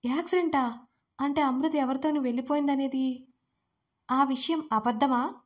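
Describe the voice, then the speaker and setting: Anxious young heroine, read by a female narrator, pleading, slightly high voice. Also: moderate pace, close to an everyday voice. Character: frightened, tearful young woman.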